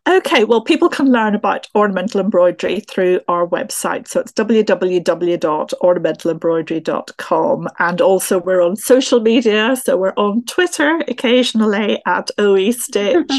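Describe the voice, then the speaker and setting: A woman's voice: medium pitch, normal speed, hardly any pauses. A middle-aged woman with a Northern Irish accent, answering interview questions in a thoughtful, discursive, explanatory way. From Northern Ireland. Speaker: guest, textile historian and teacher. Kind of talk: conversational podcast interview answers.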